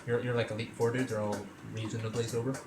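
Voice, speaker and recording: A man's voice: medium pitch, level tone, fast, heavy background noise. A man narrating a tabletop game off the cuff as game master. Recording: echoey room, music underneath.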